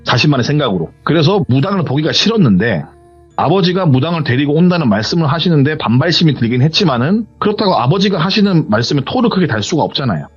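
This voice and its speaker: Quick and fairly high-pitched with a slightly rough edge, a man rambles animatedly through a viewer's horror story, tagging his lines with hearsay endings. The recording is muffled, with faint music underneath.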